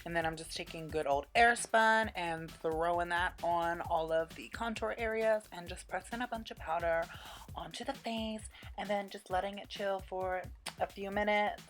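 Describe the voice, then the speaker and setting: Low-pitched woman narrating a casual makeup tutorial. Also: normal speed, a bit bright, faint music behind. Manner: chatty, informal, with playful quirky asides.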